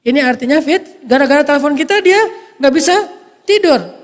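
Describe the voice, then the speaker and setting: A man giving a humorous sermon, acting out little scenes with a soft voice that people often take for a woman's. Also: very high-pitched, expressive, fairly quick, in a large hall. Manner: playful, acts out little scenes. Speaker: preacher.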